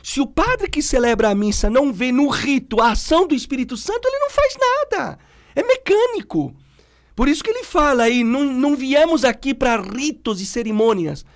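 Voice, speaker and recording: A middle-aged man, a priest, talking in a relaxed way and telling stories, acting out the people he quotes. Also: very high-pitched, normal speed. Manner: animated, acts out quoted people. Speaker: priest guest. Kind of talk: conversational storytelling.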